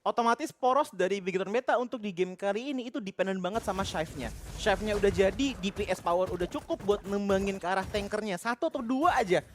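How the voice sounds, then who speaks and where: Fast, high-voiced Indonesian man analysing a match. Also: slight background noise. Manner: colloquial, explanatory. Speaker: esports analyst caster. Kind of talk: analytical live game commentary.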